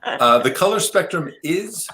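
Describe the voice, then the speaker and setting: A man works as a game show host with a bright, forward voice. His pitch moves around a lot as he hands out turns, counts strikes and explains his rulings. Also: animated, unhurried.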